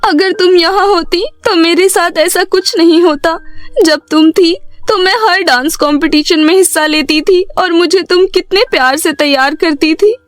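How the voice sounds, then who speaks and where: A gentle young heroine. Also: female voice, very high-pitched, fairly even intonation, moderate pace, dry recording. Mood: sad. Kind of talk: animated storybook voice acting.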